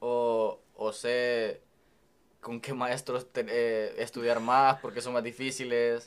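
A man with a Salvadoran accent speaks at a very slow pace in a medium pitch with a monotone, flat intonation. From El Salvador. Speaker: engineering student. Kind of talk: casual chat.

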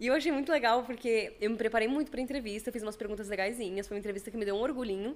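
Fairly high-pitched, a woman rushes along at a very fast pace with hardly any pauses and ordinary pitch variation. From São Paulo metro area, Brazil. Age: 20s. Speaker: gaming and pop culture presenter. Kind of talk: casual podcast interview.

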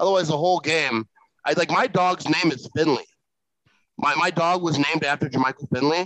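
With a Wisconsin accent, a man of fairly high pitch talks at a fairly quick pace, with ordinary pitch variation and long, frequent pauses. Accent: Upper Midwest (Wisconsin). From Wisconsin, Green Bay. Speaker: sports fan guest. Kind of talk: casual chat. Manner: halting, many fillers.

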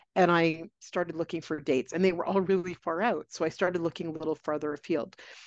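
In a Canadian accent, a woman with a plain, everyday voice and a fairly low pitch talks at a fairly quick pace with ordinary pitch variation, the sound dry and close with no echo over a quiet background. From Hamilton, Ontario, Canada. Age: 50s. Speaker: nurse. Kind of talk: interview.

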